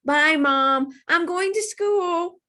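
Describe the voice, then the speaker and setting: A woman's voice: very high voice, takes it slowly, pushed and bright, pitched above the performer's own voice, exaggerated voice. A woman voicing a young girl hippo in a storybook, fretful and dramatic about everything. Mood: hurried. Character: anxious young girl hippo dreading preschool.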